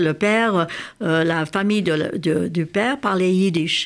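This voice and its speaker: Speaking very slowly in a Hungarian accent, a woman uses ordinary pitch variation. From Hungary (Budapest). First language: Hungarian (speaking French). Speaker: literature professor and author. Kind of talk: radio interview.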